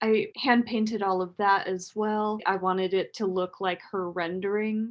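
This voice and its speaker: A soft-spoken woman at medium pitch, moderate pace, in a monotone, flat intonation. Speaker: cosplay costume maker. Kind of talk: interview.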